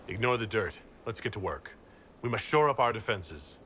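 Low-voiced, resolute horned leader. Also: male voice, normal speed, slight background noise. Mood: determined. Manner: serious, steady, plain-spoken. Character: resolute, stern, large horned male warrior leader. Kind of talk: fantasy video game acting.

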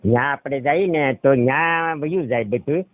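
On a dry, tinny narrowband phone recording, a middle-aged caller with a Saurashtra Gujarati accent tells a rambling personal story. He speaks at normal speed in a medium-pitched voice and keeps checking that the listener understands.

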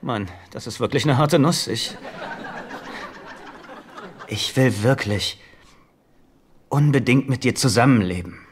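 A man's voice: medium pitch, slow, long pauses, natural voice. A man playing a naive, childlike, sweet rich man in dubbed sitcom dialogue. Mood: torn, eager. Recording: faint background noise.

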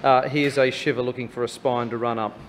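An Australian man speaking as an opposition councillor in a chamber debate, critical and halting, often repeating words. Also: mid-range voice, steady tone. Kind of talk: political debate speech. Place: large wood-panelled council chamber. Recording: reverberant council hall.

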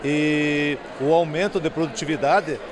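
A man's voice: on the high side, steady tone, a little slow. A man in his fifties with a Brazilian accent, hesitant as he answers a news interview. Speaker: agribusiness leader interviewed. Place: indoor event hall. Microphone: handheld reporter microphone. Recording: crowd murmur in event hall.

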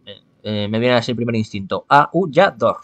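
A man's voice: medium pitch, lively intonation, normal speed, a bit bright, dry recording. A man playing through a visual novel aloud with casual commentary, musing and stumbling as he goes. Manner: stumbles and rereads, muses aloud. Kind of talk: casual gameplay commentary with dramatized reading.

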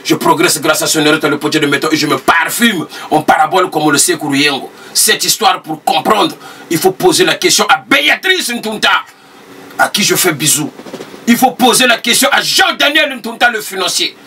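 Boastful Congolese man, bright and high. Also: expressive, moderate pace, slight background noise. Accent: Congolese French. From Republic of the Congo. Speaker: singer and sapeur. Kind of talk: boastful monologue to camera. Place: recording studio control room, indoors. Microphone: distant camera mic. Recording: distant mic with music underneath.

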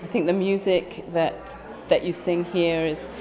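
A middle-aged woman speaks in a calm, measured way in a fairly low voice. Chatter murmurs behind her. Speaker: churchgoer. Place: church hall.

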